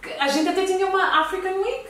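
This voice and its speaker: A woman's voice: extremely high pitch, quick pace, fairly bright tone. A woman chatting casually as a guest, in a hesitant way that repeats phrases. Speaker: talk show guest. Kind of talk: casual conversation between friends. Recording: very echoey room, distant mic, faint noise.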